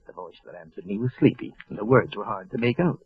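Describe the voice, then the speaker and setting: An actor playing a frightened clerk who narrates his own crime in a tense, halting first person. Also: lowish voice, slightly rough, dry recording. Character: anxious middle-aged male clerk narrating his crime. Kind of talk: 1940s radio acting. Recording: dull old radio broadcast with music.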